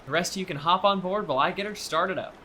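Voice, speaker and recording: A man's voice: high voice, fast, background noise, lightly acted. A man playing a friendly, easygoing small-town boat driver in a naturalistic audio drama, speaking conversationally. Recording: loud boat engine and water ambience.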